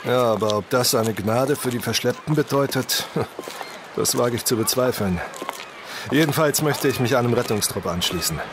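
An actor plays a kindly, upright English gentleman of firm resolve. His pitch is medium. Clear outdoor noise runs behind him in this audio drama. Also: normal speed, lightly acted. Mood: grave, resolute.

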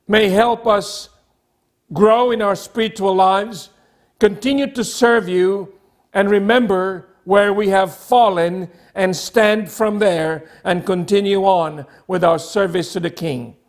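Male pastor, middle-aged, high-pitched voice, slow pace, deliberate short phrases, sermon delivery. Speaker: pastor preaching. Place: church sanctuary, at a pulpit.

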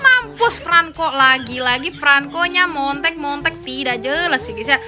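Over loud music, a young woman with a high-sitting voice talks at a measured pace while playing a mobile game at home. Her commentary is casual and excitable, full of swearing, and aimed at herself as much as at her viewers.

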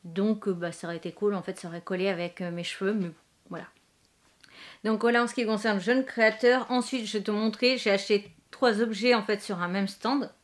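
A woman's voice: mid-range voice, steady tone, brisk. A young woman with a French accent, chatting casually in a haul vlog from her bedroom, rambling with lots of fillers. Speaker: vlogger. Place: bedroom in front of a bookshelf.

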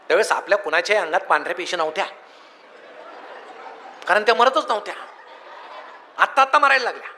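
A man's voice: high-pitched, creaky, bright, forceful tone, slight background noise. A man giving a humorous motivational speech, telling folksy anecdotes in a joking storyteller's manner, in an echoey hall. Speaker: public speaker.

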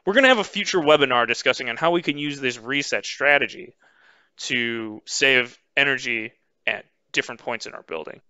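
A man walks through a recorded webinar lesson, pausing on "um" as he explains each slide. His voice is bright and smooth. The audio is dry and close, with a slightly muffled band. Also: medium pitch, dry recording. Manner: measured explanatory pace with frequent "um" fillers. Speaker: instructor. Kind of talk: webinar lecture over slides.

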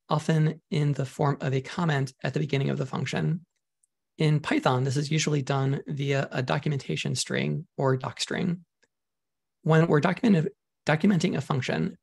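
Guy giving a coding webinar, gravelly husky voice, kinda losing it, lots of ums. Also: fairly high pitch. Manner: measured, with frequent ums. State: losing his voice, clearing throat. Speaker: webinar presenter. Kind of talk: slide lecture on programming.

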